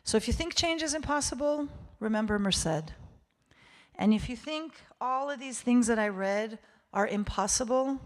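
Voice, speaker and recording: Standing before a synagogue congregation as a guest speaker, a native Hebrew-speaking woman delivers a live inspirational address, emphatic and heartfelt, repeating phrases to drive them home. Her voice sits on the high side with lively intonation at a moderate pace.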